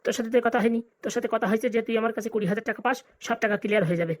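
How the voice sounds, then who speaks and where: Woman playing a fast, blunt old village grandpa. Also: a little high, lightly acted. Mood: scolding. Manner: scolding, blunt, colloquial. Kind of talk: comic cartoon dialogue.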